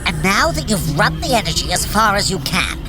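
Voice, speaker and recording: A woman's voice: medium pitch, big pitch swings, moderate pace, lightly acted. A woman playing a smug, boastful trickster sorcerer who coaches a runner in an audio drama, theatrical and wry, taunting mortals. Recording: loud music under the voice. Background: music.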